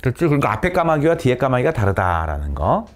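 A man's voice: mid-range voice, wildly swooping pitch, fast talker. A man teaching a class of students, often asking them questions and then answering himself. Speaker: Korean literature teacher. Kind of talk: classroom lecture. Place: cram school classroom with students present.

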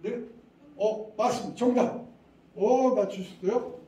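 A middle-aged man leads a talk for parents, tossing quiz questions at the room and chuckling along the way. His voice is mellow and dark. It comes from a distance in an echoey hall with a faint murmur of ambience. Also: sits high, unhurried, a little hiss or hum. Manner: chatty, quizzing the audience, chuckling. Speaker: lecturer at parent education session. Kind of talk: interactive lecture to parents.

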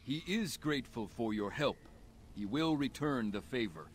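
A man playing a calm, encouraging alien tribal mentor in a video game, with formal, measured phrasing. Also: mid-range voice, a little hiss or hum, close to an everyday voice. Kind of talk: video game cutscene acting.

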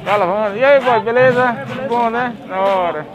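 Chatty market vlogger, high voice. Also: male voice, moderate pace. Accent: Alagoan Brazilian Portuguese. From Brazil. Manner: friendly, chatty, addresses viewers as friends. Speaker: vlogger touring a street market. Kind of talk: casual chat with vendors and viewers. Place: busy open-air street market outdoors. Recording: loud market crowd behind.

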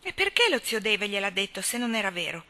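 A woman's voice: medium pitch, big pitch swings, a little fast, sharp tone. A woman reading aloud, voicing a passionate, stubborn young woman who pleads and argues insistently. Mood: argumentative. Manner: impassioned, insistent. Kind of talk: audiobook character reading.

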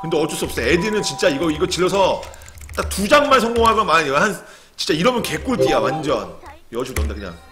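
A young man streaming a game, commenting casually and excitably, muttering one moment and yelling and cursing the next. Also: on the high side, fast talker, over music. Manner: excitable, swings from muttering to sudden yelling and swearing.

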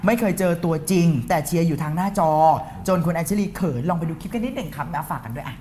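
A man's voice: on the high side, animated, fast talker, mellow, slight background noise. A man hosting an entertainment news show, reading the gossip and teasing his co-host in a playful, chatty way. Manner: playful, teasing, uses polite particles. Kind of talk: fast casual showbiz news chat.

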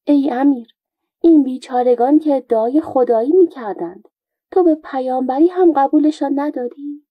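A woman's voice: high voice, dry recording, phone-quality sound, pitched above the performer's own voice, lightly acted. A woman voicing a sly old male folk joker with a plaintive, mock-innocent manner. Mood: wry.

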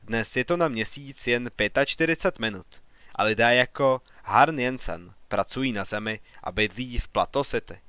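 A man's voice: medium pitch, pushed and bright, smooth, dry recording, natural voice. A man voicing an ambitious young man who argues earnestly and with growing irritation in an audiobook. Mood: earnest, heated. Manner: earnest, argumentative.

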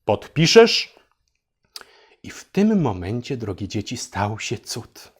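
A man's voice: on the low side, very animated, a little slow, dark tone, husky. A man narrating a satirical fairy tale for adults in a theatrical, mock-solemn way, as if addressing children. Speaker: storyteller and channel host.

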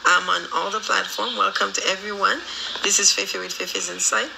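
A woman's voice: mid-range voice, little pitch movement, moderate pace, gravelly, noisy background. A woman in her thirties with a Haitian accent, hosting a live stream and chatting as she reads viewer comments, switching between English, Creole and French. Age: 30s. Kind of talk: casual live-stream chat reading comments. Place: small room indoors. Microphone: phone held close.

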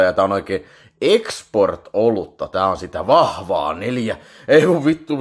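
A man hosting a casual unboxing video, rambling loudly with lots of swearing, mock boasts and filler words. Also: low-pitched, breathy edge.

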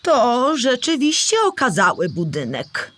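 A woman's voice: a little high, big pitch swings, measured pace, a bit bright, no echo, full character voice. A woman playing a kindly old storybook animal who patiently explains history to a child in a children's audio play. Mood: patient, explaining. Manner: patient, clear explaining in simple words.

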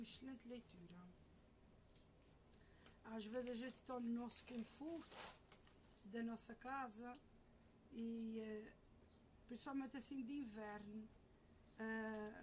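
A middle-aged woman with an Azorean Portuguese accent, chatting to her viewers from her living room and reading scripture aloud in a slow, solemn way. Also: on the high side, slight background noise. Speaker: vlogger. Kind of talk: casual chat and Bible reading.

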